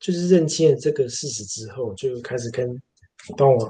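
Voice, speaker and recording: At a moderate pace, a man speaks with a Taiwanese accent, his loudness swinging widely. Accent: Taiwanese Mandarin. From Taiwan, Taoyuan. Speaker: podcast producer. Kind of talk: casual chat. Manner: hesitant, many fillers.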